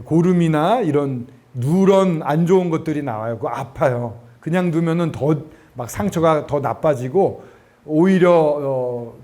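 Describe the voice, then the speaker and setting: A man preaching a sermon to students, telling a personal story in an animated way and acting out the people he quotes. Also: on the high side. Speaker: preacher at student gospel camp.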